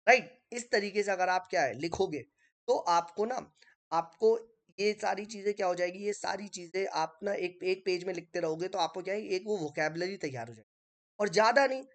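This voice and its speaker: A man teaching an informal online exam-prep lesson, explaining step by step while writing on screen and checking in with listeners. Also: sits high. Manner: chatty, keeps checking in with listeners.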